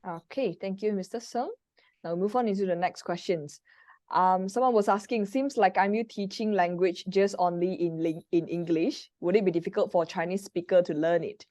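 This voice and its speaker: A woman's voice: lowish voice, normal speed, a little mellow, no room sound, studio quality. A woman with a Malaysian accent, Mandarin as her first language, hosting a live question-and-answer talk with frequent hesitant fillers. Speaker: moderator and practitioner.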